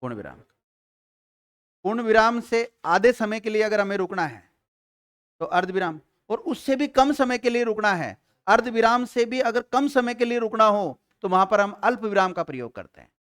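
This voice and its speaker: A man teaching a grammar class to students, asking questions and answering them himself, and dictating notes slowly with repeated phrases. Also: high voice, lively intonation, a bit bright, smooth. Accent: Rajasthani Hindi.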